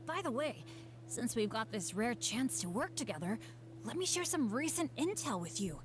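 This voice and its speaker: A woman's voice: on the high side, very animated, moderate pace. A woman voicing an eager, unlucky, self-deprecating teenage boy adventurer in a video game, with an earnest, boyish, hesitant delivery. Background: game music.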